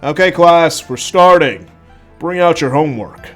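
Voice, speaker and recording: A man's voice: on the high side, measured pace, a bit bright. Man acting as tired male schoolteacher, earnest, admonishing, storybook reading, music behind. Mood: brisk. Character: weary, concerned male math teacher.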